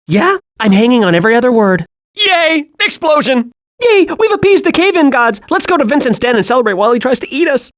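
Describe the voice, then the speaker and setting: A man voicing an excitable, scatterbrained, cheerful young male squirrel with a childlike, eager delivery in an animated video game. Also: extremely high pitch, full character voice. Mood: chirpy, naive, then giddy, excited.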